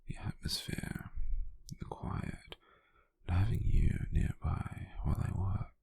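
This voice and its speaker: A British man playing a gentle, doting, teasing lover in an intimate, breathy, half-whispered ASMR roleplay, close to the microphone. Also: deep voice, animated, dry recording, heavily acted. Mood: tender, soothing. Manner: slow, tender, softly teasing.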